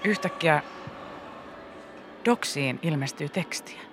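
A woman's voice: sits low, background noise. A woman radio host telling a spooky story in casual chat, with dramatic, suspenseful delivery. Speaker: radio morning show host. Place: radio studio. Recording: radio studio with music bed.

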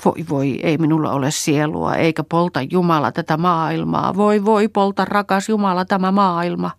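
A woman's voice: fairly low pitch, gravelly, dry recording, studio quality, pitched above the performer's own voice. A woman voicing a distraught, guilt-stricken young peasant woman who pleads and wails between sobs. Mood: wailing despair.

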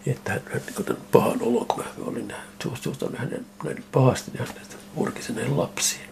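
An older man, a ceramic artist, telling lively anecdotes in a casual interview and acting out the conversations he recalls. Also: medium pitch, vocal fry, slight background noise. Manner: animated anecdotes, acting out quoted exchanges. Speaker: ceramic artist interviewed about his photos.

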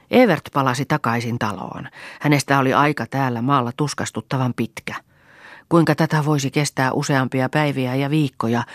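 A woman reading a novel aloud in calm, measured narration, often dropping to a soft, hushed voice. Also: a bass voice, no echo, clean studio sound. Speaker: audiobook reader. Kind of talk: scripted literary narration.

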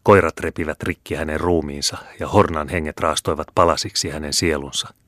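A man's voice: extremely low pitch, steady tone, fairly bright tone, no room sound, clean studio sound. A man voicing a haughty, domineering older Jesuit superior who speaks in a scornful, commanding way in a storybook reading. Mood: stern.

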